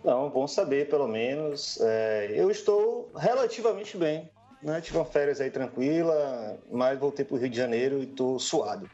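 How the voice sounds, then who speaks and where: A man's voice: mid-range voice, animated, moderate pace, dark tone, faint music behind. A man chatting casually and wryly as a sports podcast panelist, grumbling a little. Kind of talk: casual chat. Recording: muffled lo-fi remote connection.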